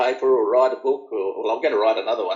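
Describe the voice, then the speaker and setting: Very fast male speech in an Australian accent. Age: 70s. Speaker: innovation thought leader and author. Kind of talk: interview. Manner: halting.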